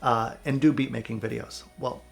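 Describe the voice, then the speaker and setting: A man in his thirties from central Wisconsin, a music producer giving earnest, candid motivational advice to camera, raspy and stuffed up with a cold. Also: medium pitch, steady tone, moderate pace. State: sick with a cold, stuffy nose. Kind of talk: vlog advice talk to camera.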